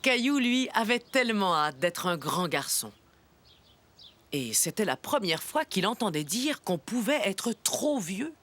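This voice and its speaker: A woman as a friendly storyteller narrating a children's cartoon, with clear storybook phrasing. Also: medium pitch, sing-song, measured pace, a bit bright. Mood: storytelling.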